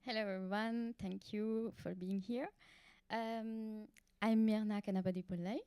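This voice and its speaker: A woman in her thirties introducing herself on a panel, hesitant, with frequent pauses. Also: medium pitch, fairly even intonation, warm tone, clean tone.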